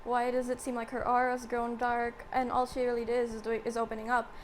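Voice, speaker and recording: A woman's voice: a little high, monotone, a little fast, slight background noise, rough recording. A young woman hosting a casual chat, talking freely and filling her sentences with "like". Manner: chatty, fills with "like". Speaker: host.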